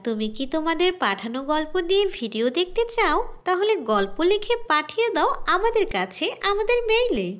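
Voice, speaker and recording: A woman's voice: very high voice, sing-song, brisk, few pauses, faint music behind. A woman reading a scripted promotional narration as a channel announcer, on a dull lo-fi voice track.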